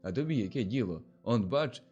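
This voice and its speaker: A male narrator voicing a defiant, hot-tempered young male villager who talks loudly and scornfully. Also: medium pitch, expressive, brisk, slightly rough, lo-fi sound, faint music behind. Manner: loud, scornful, challenging.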